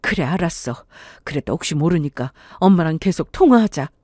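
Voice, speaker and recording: A worried middle-aged mother, read by a woman storyteller who speaks in urgent, hushed commands. The pitch swings widely and the sound is dry and close. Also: expressive, a little fast, dry recording.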